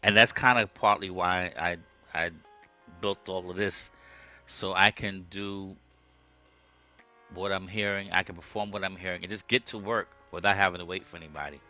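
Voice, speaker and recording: A man hosting a podcast, chatting casually with his guest in a relaxed, conversational way from his own studio setup. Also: low voice, normal speed, faint music behind. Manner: relaxed, conversational, with frequent "um" and "okay". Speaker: podcast host. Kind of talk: casual interview chat. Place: home music studio.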